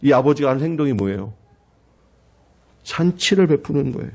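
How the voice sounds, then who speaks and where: A man preaches in a church, his fairly high voice swinging widely between hushed lows and loud emphatic peaks. He poses rhetorical questions and voices the people in his story with dramatic force. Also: animated, fairly quick, vocal fry. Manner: dramatic, acting out quoted voices with rising intensity. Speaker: pastor. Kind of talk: sermon.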